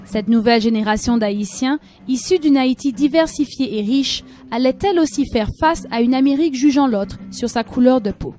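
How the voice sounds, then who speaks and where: A woman narrates a documentary in a measured, scripted way. Her voice is mellow and sits a little high. Soft music plays under her.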